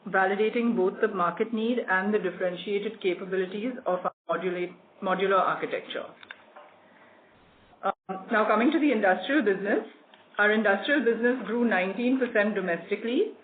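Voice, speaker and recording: An executive reads a scripted earnings presentation in a formal, measured corporate way. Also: mid-range voice. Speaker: company executive presenting quarterly results. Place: conference call. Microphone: phone or conference call line. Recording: phone-like conference line with clear noise.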